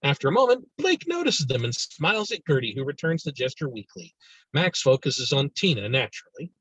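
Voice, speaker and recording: A man narrating stage directions in a lively way at a screenplay table read. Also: on the high side, brisk, breathy edge. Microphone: video call. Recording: dull lo-fi video call audio.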